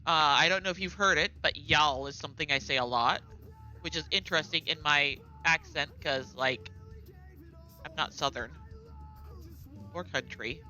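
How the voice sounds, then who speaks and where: Chatty American woman gamer, bright voice. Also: low voice, normal speed, long pauses, soft background music. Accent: General American. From United States. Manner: chatty, rambling, lots of fillers and asides. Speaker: gaming streamer. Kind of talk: casual chat while playing a game.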